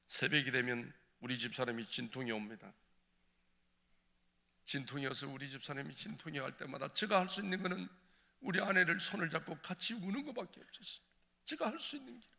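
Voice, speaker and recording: A man giving an impassioned, tearful testimony as a church elder, swinging between hushed and crying out. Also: on the high side, vocal fry. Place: church sanctuary. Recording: reverberant church hall.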